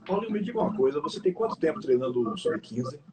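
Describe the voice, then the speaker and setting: A man hosting an interview, putting short, soft-spoken questions to his guest. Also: mid-range voice, sing-song, fast. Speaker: interview host. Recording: distant mic with loud background noise.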